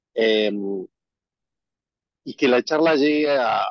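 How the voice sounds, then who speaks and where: This is a male speaker. The variation in his pitch is ordinary. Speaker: diploma course participant. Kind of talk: Q&A question. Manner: halting with fillers.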